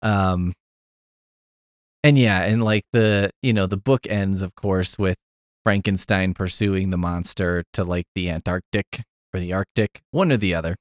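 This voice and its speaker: A man's voice: sits low, measured pace, no echo, clean studio sound. A middle-aged man hosting a podcast in casual chat, retelling a story in a rambling, sarcastic way with plenty of swearing and asides. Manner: rambling, heavy on fillers and asides. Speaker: podcast host.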